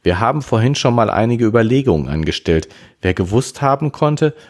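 A man voicing a calm, level-headed teenage boy who reasons things through, in an audiobook reading. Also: mid-range voice, brisk, voice pushed up, natural voice. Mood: thoughtful.

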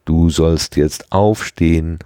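A man's voice: a bass voice, slow, dark tone, clear, resonant tone, no room sound. A man reading aloud and voicing a friendly, easygoing young man close to his own voice.

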